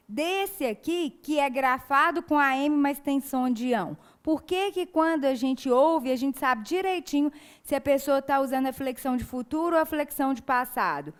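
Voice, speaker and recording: A woman's voice: sits high, a bit bright. A woman with a Brazilian Portuguese accent teaching an exam-prep grammar lesson, explaining step by step and often checking in with short tag questions.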